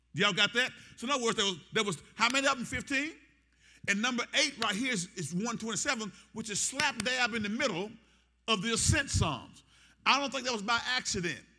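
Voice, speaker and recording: A man speaks in a raised, projected voice with an extremely high pitch and a bright, sharp tone. He sounds animated, moving at a fairly quick pace with ordinary pitch variation. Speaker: pastor. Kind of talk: sermon. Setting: church. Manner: animated, call-and-response preaching, urging the congregation. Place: church. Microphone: lapel.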